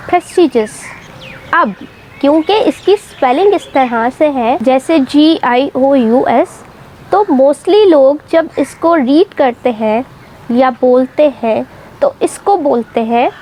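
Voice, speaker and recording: A young woman from Pakistan with a bright, high voice teaches English pronunciation. She talks to her students with patience, going back over each word slowly to demonstrate it. A faint hum of room noise sits under her voice. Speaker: English teacher and channel host. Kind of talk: explanatory lesson to students.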